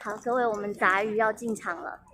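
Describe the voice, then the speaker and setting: A Taiwanese woman doing casual live vlog commentary at a busy event, chatty and prone to excited exclamations. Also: medium pitch, fairly quick. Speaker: vlogger, voice actress. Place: busy public event venue. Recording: loud crowd and music, busy venue. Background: loud crowd chatter and music.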